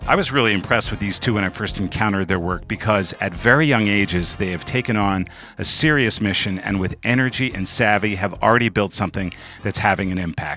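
The man's voice is fairly low and bright, sharp in tone. He speaks very fast with ordinary pitch variation. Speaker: podcast host. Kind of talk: interview.

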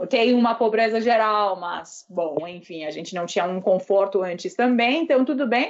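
A woman's fairly high voice at a moderate pace. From Iran. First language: Persian (speaking Portuguese). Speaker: international law scholar. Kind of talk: interview. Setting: remote call from Tehran. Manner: hesitant, frequent filler sounds.

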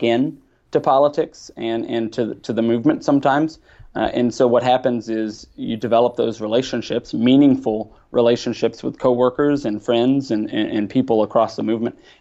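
With an American accent, a man speaks in a plain, everyday voice at a medium pitch, keeping a moderate pace and fairly even intonation. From Tennessee, US South (Murfreesboro). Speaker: grassroots trainer. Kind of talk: interview.

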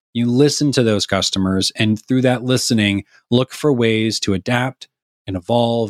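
Energetic in tone, a man speaks with ordinary pitch variation in a dry, close recording with no echo and a silent background that is very clean. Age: 30s. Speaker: partnerships executive at a software company. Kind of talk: interview conversation.

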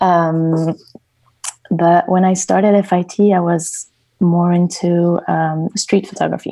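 At a very slow pace, a woman with a French accent speaks in a dark, mellow tone at a fairly low pitch, her intonation monotone and flat and her loudness very even. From Switzerland. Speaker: photography student. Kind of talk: interview. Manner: halting.

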